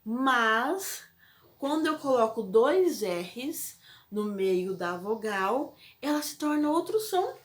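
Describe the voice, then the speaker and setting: Slow, patient Brazilian woman teacher. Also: fairly high pitch, big pitch swings. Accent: Brazilian Portuguese. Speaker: primary school teacher. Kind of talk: recorded classroom lesson. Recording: echoey room.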